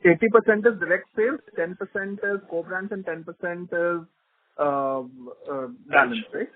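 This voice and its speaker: A man's voice: sits high, normal speed, narrow, tinny audio. A man, an analyst asking hesitant, filler-heavy questions on an earnings call. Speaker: analyst caller. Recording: telephone conference line.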